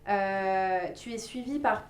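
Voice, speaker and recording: A woman's voice: mid-range voice, slow pace, echoey room, a little hiss or hum. A woman hosting a podcast interview, introducing her guests with frequent hesitations. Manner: many hesitations, reads guest bios. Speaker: podcast host. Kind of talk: casual interview chat.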